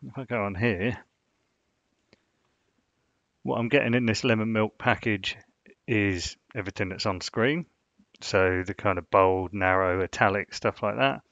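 A man's voice: fairly low pitch, measured pace, pauses often, a bit bright, dry recording. A man hosting a casual screen-share design tutorial, rambling and filling gaps with "you know". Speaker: design channel host. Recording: dull, dry lo-fi sound.

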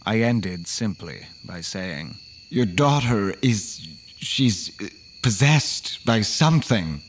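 An actor playing an earnest, haunted man who recounts his horror story in measured, dramatic first-person audio drama narration. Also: fairly low pitch, sing-song, slight background noise. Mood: haunted recounting, then shaken, uneasy.

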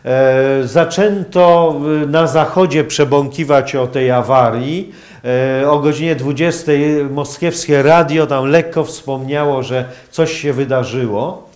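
Man in his sixties, lecturer, slightly high voice, slow delivery, hesitant pauses. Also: a little mellow. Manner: halting, hesitant phrasing with long pauses. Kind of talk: public lecture. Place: university lecture hall, indoors.

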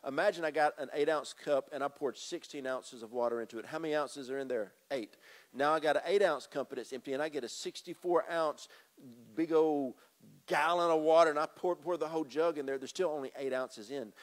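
Pastor guy preaching on stage, handheld mic, a bit high-pitched, keeps repeating himself for emphasis. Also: fairly quick. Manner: emphatic, repeats phrases, addresses congregation directly; moves about the stage and gestures. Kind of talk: sermon. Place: church stage with drum kit.

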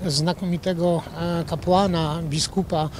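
A man in his sixties, a regional official, speaking outdoors into a handheld reporter mic, slow and measured with frequent fillers. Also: on the high side, level tone, background noise. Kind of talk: outdoor news interview. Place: outdoors by a church building.

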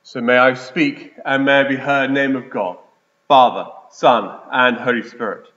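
A man, a priest, reading the gospel and preaching in a measured liturgical way, his voice ringing with the echo of a large church. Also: medium pitch, steady tone, a bit bright. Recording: echoey church, dull lo-fi sound.

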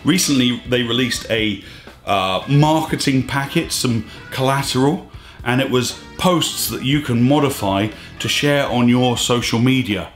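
At a measured pace, a man in his thirties who runs a scuba diving channel gives an opinionated to-camera rant, emphatic and a bit exasperated, gesturing with his hands. His mid-range voice is slightly hoarse, and the small indoor studio is echoey with faint music.

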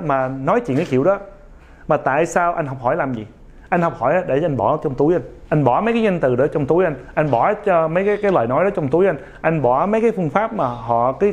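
A man giving a casual motivational talk to young viewers. He speaks haltingly, with many fillers, an imperfect accent, and a frequent "ok?". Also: on the high side.

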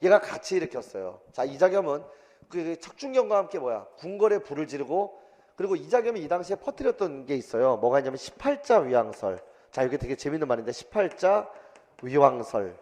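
Fast, animated male lecturer in an echoey room. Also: a little high. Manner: lively, colloquial, acts out quotes with swearing. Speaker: history lecturer for exam prep. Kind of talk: exam-prep lecture.

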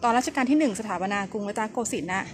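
A woman's voice: medium pitch, lively intonation, racing, over music. A woman giving a chatty walking tour outdoors and keeping her voice down. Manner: chatty, speaks softly and keeps her voice down. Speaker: travel vlogger touring a temple. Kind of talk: casual guided tour talk. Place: outdoors at a temple on an overcast day. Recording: noisy outdoor recording.

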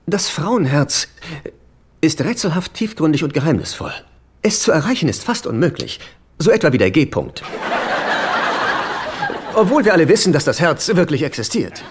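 A self-important middle-aged man in a dubbed sitcom. His fairly high male voice moves up and down a lot, pompous and theatrical. Clear noise sits on the recording. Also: sing-song, normal speed. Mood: pompous, boastful. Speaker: sitcom dubbing actor. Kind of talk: German-dubbed sitcom acting.

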